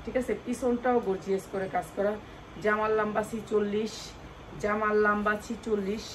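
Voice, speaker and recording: A woman with a Bangladeshi accent doing an insistent hard-sell live sales pitch for wholesale clothing, repeating key phrases and prices over and over. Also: level tone, normal speed, slight background noise, low-quality recording. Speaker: clothing wholesale seller presenting stock.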